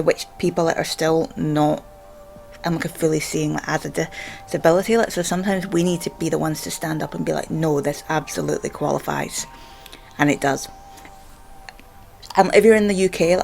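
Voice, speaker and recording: Scottish female vlogger, low voice, stammers, halting informal delivery padded with fillers, music underneath. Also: gravelly, darkish tone. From Scotland. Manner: halting, with frequent repeated filler words. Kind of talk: informal explainer to camera.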